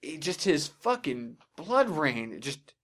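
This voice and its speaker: A man's voice: on the high side, very animated, takes it slowly. A young man hosting a casual podcast discussion, swearing freely and giving blunt opinions. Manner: profane, opinionated. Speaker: podcast host.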